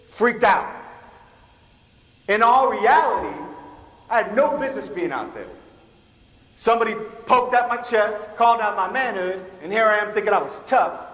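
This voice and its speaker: A man from Guam giving a keynote talk to high school students, telling stories in an animated way and acting out the dialogue. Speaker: keynote speaker. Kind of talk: motivational storytelling talk to students. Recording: echoey hall with long reverb.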